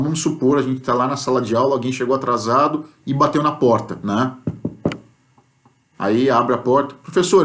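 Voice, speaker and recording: Lively Brazilian male English teacher. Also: medium pitch. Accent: Brazilian Portuguese. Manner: explanatory, frequent "tá?" check-ins; lively, acts out example sentences. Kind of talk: recorded remote class lesson.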